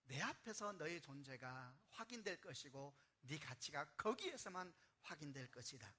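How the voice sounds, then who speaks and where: Man doing God, tender, slow, gentle, pleading, bright voice, slightly high. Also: sing-song, husky, exaggerated voice.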